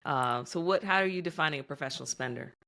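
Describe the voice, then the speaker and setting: A woman's voice: low voice, fast, bright, forceful tone. A woman hosting a podcast interview, chatty and self-deprecating, often recapping her guest's answers. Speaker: podcast host. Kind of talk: podcast interview, casual chat.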